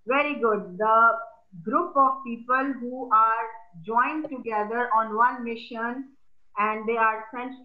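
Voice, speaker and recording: A woman teaching an online class, patient and explaining slowly with fillers. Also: on the high side. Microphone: video call. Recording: lo-fi video call audio.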